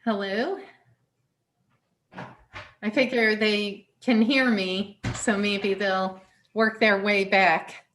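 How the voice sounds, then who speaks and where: A woman's voice: mid-range voice, fairly even intonation, very slow, long pauses, fairly bright tone, slight background noise. A woman chairing a council meeting over a video call, friendly and informal, with fillers like uh.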